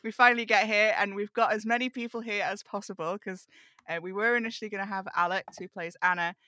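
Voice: medium pitch, fairly even intonation, fast talker, bright, forceful tone, no room sound. A host chatting casually in a rambling, self-deprecating way. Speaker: podcast host and cast member. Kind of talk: casual chat.

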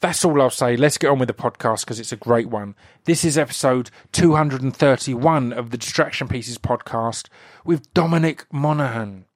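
A man's voice: medium pitch, moderate pace, no room sound. Podcast host guy rambling through his intro, keeps restarting sentences, super dry room. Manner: rambling, chatty, self-interrupting with restarts. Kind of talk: casual solo intro to a podcast episode.

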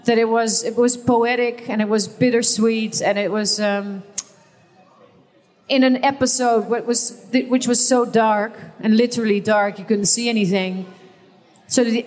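Panel guest: Dutch-accented woman, slightly high voice, pauses to find words, long hall reverb. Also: darkish tone. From Netherlands. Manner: hesitant, searching for words. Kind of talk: live panel Q&A.

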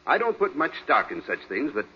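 A man's voice: medium pitch, wildly swooping pitch, fairly quick, noisy background. An American actor playing a middle-aged, earnest, formal businessman and father in a 1940s radio drama. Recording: dull 1940s radio recording.

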